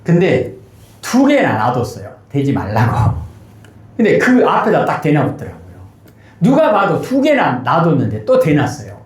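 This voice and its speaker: A man's voice: on the high side, wildly swooping pitch, moderate pace. A middle-aged man preaching as a pastor, telling a story candidly and breaking into emphatic outbursts. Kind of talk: sermon. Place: church sanctuary. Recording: echoey church hall.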